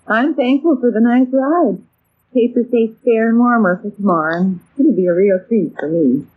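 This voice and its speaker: A woman's voice: fairly high pitch, moderate pace, natural voice. An American actress playing a bustling, mildly exasperated middle-aged housewife and mother in an old-time radio comedy serial, chatty and folksy. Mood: busy, chatty. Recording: muffled, noisy old radio recording.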